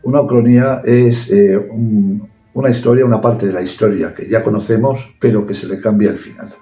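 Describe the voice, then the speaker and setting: A man talks about literature as a guest, explaining ideas carefully and pausing on fillers. His voice is low and very dark in tone. The room is echoey, with faint music playing behind. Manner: measured, explanatory, with hesitations. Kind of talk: casual chat about books.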